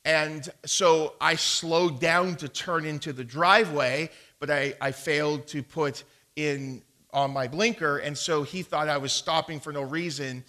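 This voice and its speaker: A man's voice: a little high, steady tone, sharp tone. A man preaching a sermon as a pastor, telling a personal story in a folksy way and reading out Bible verses. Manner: storytelling, folksy, deliberate with repeated verse references.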